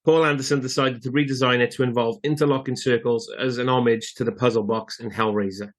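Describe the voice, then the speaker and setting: A British man with a mid-pitched voice co-hosts a film podcast. He speaks bluntly, swears casually, and reads trivia aloud in a relaxed, conversational way. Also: fast talker. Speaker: podcast co-host.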